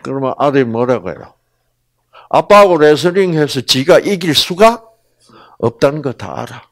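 A man giving a religious lecture to an audience, animated, asking rhetorical questions and acting out the people in his stories. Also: medium pitch, moderate pace, no room sound. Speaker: health lecturer.

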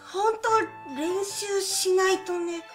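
A woman's voice: extremely high pitch, fairly even intonation, slow pace, soft background music. A woman voicing a prim, encouraging little girl in a children's story, childlike and instructive. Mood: chiding, encouraging. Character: prim, encouraging little Edo-period schoolgirl. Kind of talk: scripted children's story dialogue.

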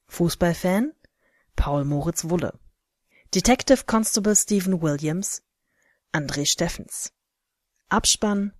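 A woman reading scripted cast credits as announcer in a measured, formal way. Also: fairly low pitch, dry recording, clean studio sound. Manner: measured, formal, list-like delivery.

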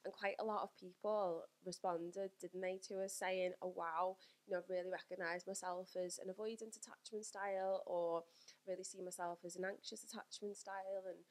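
A woman in her thirties co-hosting a casual podcast, her voice croaky and husky from a cold, laughing easily. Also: on the low side, little pitch movement, moderate pace. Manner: giggly, easygoing. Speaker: podcast co-host. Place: small cosy studio room, indoors. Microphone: studio mic on boom arm.

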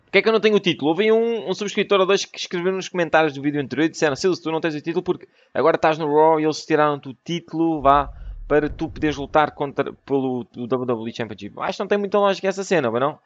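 A young man with a European Portuguese accent doing excitable let's play commentary, breaking into loud exclamations. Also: a little high, very fast, lo-fi sound. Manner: excitable, bursts into exclamations and laughter. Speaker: gaming YouTuber.

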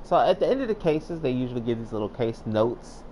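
A man's voice: mid-range voice, very animated, a little fast, mellow, rough recording. A man who streams games, giving casual, off-the-cuff gameplay commentary. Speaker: game streamer. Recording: faint game noise behind voice.

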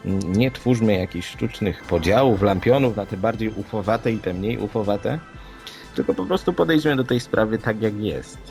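Creaky-voiced man in matter-of-fact discussion. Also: on the low side, animated, moderate pace, a little mellow. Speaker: podcast co-host. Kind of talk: unscripted paranormal news discussion. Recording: background music under the voice. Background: music.

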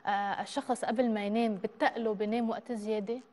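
A young woman with a Lebanese accent hosting a TV talk show, briskly bringing in callers. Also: fairly high pitch, fairly even intonation, darkish tone. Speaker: host. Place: large TV studio. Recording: reverberant studio sound.

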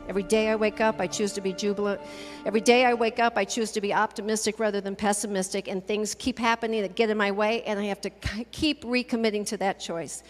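An older woman giving a motivational keynote on a conference stage with a handheld mic, with a punchy, emphatic delivery aimed at the audience. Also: mid-range voice. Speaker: keynote speaker. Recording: roomy hall with long reverb.

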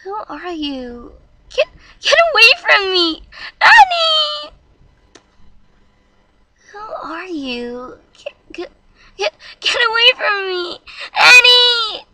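A woman's voice: extremely high pitch, very animated, slow, pauses often, bright, forceful tone, no room sound, pitched above the performer's own voice, heavily acted. A woman doing a sobbing, terrified young girl. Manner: tearful, screaming. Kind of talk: voice audition reading.

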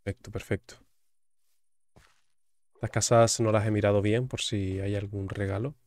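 A man's voice: lowish voice, little pitch movement, moderate pace, darkish tone, no echo. A man with a Spain Spanish accent giving chatty, joking commentary while playing a video game and reading its text aloud. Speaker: gaming YouTuber. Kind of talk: gaming commentary.

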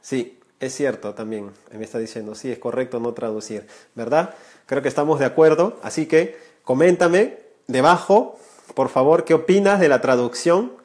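Earnest male language teacher in his thirties, live stream to camera, mid-pitched voice, small indoor room, webcam sound. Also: normal speed, darkish tone. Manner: earnest, gestures with hands, addresses viewers directly. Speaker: Spanish teacher, channel creator. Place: small room indoors, warm lamp light.

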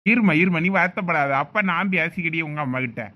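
A man's voice: a little high, expressive, fairly quick, highs cut off, lightly acted. A man with a Thoothukudi Tamil accent playing an indulgent village father who soothes and spoils his daughter in a comedy skit.

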